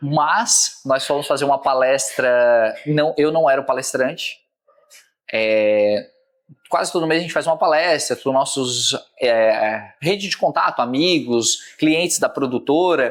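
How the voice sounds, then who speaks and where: A man's voice sits at a fairly high pitch with ordinary pitch variation. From Brazil, Santa Catarina interior (Tubarão). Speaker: podcast host. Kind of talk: casual interview chat.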